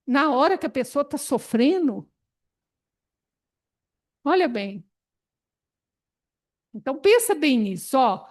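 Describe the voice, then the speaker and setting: A woman, leading a spiritist study group in an animated, expressive way. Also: high-pitched, slow pace, long pauses. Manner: animated, expressive, laughs often. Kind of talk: spiritist Bible study talk.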